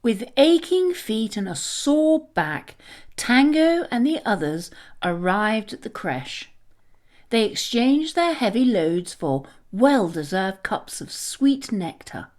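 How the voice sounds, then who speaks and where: Lady storyteller for kids books, very animated, slow and dramatic. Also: on the high side. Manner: dramatic, expressive. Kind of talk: scripted children's story narration.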